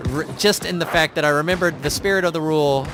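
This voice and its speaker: A fairly high-pitched man with an American accent at a fairly quick pace, amid noticeable background noise. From US Midwest. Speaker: gaming streamer doing mock news commentary. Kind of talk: live commentary. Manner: animated.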